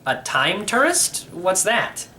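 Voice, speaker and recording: A man's voice: high voice, huge pitch swings, takes it slowly, pushed and bright, full character voice. A man voicing a curious young nephew in a storybook, playful and a little skeptical, asking plain questions. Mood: puzzled. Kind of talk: acted storybook reading.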